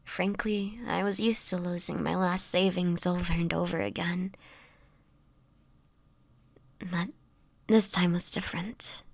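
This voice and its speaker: A frail, haunted vampire woman voiced by an actress speaks close and dry, in a breathy near-whisper. She is fearful and sorrowful, halting often as she confides in an audio drama. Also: fairly low pitch, steady tone, no echo. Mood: hesitant, sorrowful. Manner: halting, hesitant storytelling with pauses. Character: sickly, fearful homeless young vampire woman, sorrowful and hesitant. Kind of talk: intimate dramatic audio roleplay monologue.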